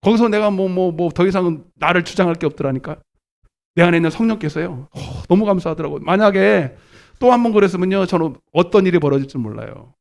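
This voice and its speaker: Animated male pastor preaching live. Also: high voice, quick pace, gravelly. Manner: animated preaching, calls congregation to repeat, swings from shouts to murmurs. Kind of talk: live sermon. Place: church sanctuary.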